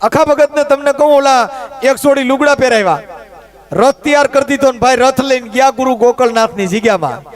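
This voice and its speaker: A man's voice: very high-pitched, brisk. A middle-aged man, telling a folk tale in a rustic, chatty way, full of comic asides. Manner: rustic, chatty, acts out quoted voices. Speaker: folk humorist.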